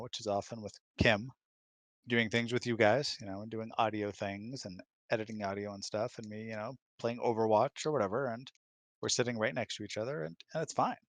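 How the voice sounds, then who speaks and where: A middle-aged man with a fairly low voice, recorded dry and close. He chats informally about relationships and often slips into imagined quotes to make his points. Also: fairly bright tone, no room sound. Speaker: guest on spouse's hangout. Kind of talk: casual relationship chat.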